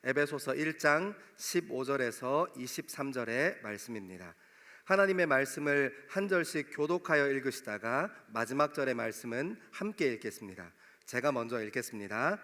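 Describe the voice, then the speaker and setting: Korean pastor with a regional dialect. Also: male voice, medium pitch, expressive, normal speed, bright, forceful tone. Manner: conversational, jokes with the congregation. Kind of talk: sermon. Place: church sanctuary. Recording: long hall reverb.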